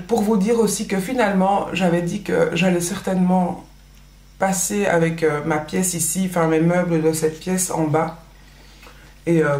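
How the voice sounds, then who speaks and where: In an echoey room, a woman with a lowish, slightly mellow voice chats casually while putting on makeup. She's a pregnant vlogger in her thirties from Belgium, Dutch-speaking by birth, with a Belgian French accent, and she fills her speech with fillers and restarts.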